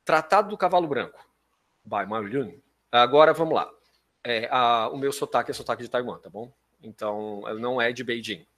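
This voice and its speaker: Brazilian man lecturing, halting and didactic. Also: mid-range voice, fairly bright tone. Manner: didactic, frequent check-in questions to listeners. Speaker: professor giving a lecture. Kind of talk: academic philosophy lecture with informal asides.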